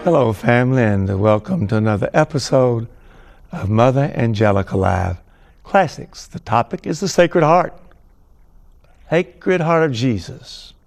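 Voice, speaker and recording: A man introduces a religious TV show and reads a devotional passage in a solemn, deliberate way. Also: mid-range voice, animated, creaky, a little mellow. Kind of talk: devotional reading.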